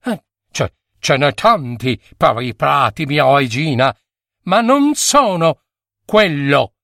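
A man's voice: fairly high pitch, big pitch swings, slow, gravelly, a bit bright, no room sound, studio quality, heavily acted. A man doing a fearful fairy-tale king. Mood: hesitant.

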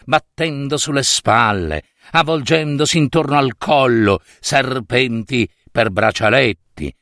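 A man telling a dark fairy tale with slow, dramatic, expressive narration. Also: mid-range voice, dry recording, clean studio sound. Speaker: storyteller.

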